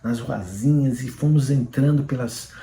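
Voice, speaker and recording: A middle-aged man with a Brazilian Portuguese accent, telling his personal faith testimony in an animated, fervent way. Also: mid-range voice, a little slow. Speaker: Christian YouTuber giving a testimony. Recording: roomy echoing room.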